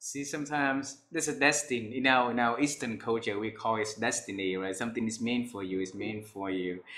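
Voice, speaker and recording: A man talks at a fairly quick pace with a Vietnamese accent and hardly any pauses. His tone is bright and sharp, with ordinary pitch variation. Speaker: interview host. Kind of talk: interview. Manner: halting. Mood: friendly, curious. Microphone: video call.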